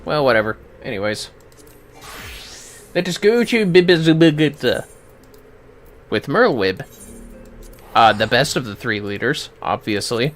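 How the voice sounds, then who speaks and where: A man's voice: medium pitch, animated, unhurried, long pauses, a bit bright, faint music behind. A man livestreaming a video game with casual, irreverent commentary, swearing and tossing in jokey asides. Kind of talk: casual play-by-play commentary, reading dialogue aloud.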